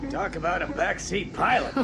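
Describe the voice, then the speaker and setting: A man playing a wry, easygoing spaceship copilot in an audio drama, with a gravelly voice and folksy manner. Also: sits high, lively intonation, normal speed. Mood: wry, alert. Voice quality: gravelly, creaky.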